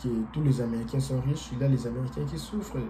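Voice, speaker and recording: A man's voice: mid-range voice, fast, noisy background. A man from DR Congo whose first language is not French, giving a casual explanatory vlog monologue and talking hesitantly, with many fillers and repeated words. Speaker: vlogger.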